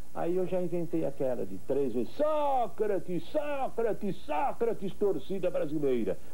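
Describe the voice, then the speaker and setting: A man with a high pitch speaks at a fairly slow pace with hardly any pauses. His pitch swings very widely while his loudness stays very even. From Brazil, São Paulo state. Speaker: radio football commentator. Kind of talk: sports radio commentary recreation. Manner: dramatic, poetic.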